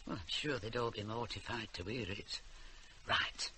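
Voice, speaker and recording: An actress playing a sharp-tongued but fond old grandmother in a radio drama, with a Northern English accent and a wry, scolding manner. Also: a bass voice, normal speed. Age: older. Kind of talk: naturalistic radio drama acting. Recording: noisy radio drama recording.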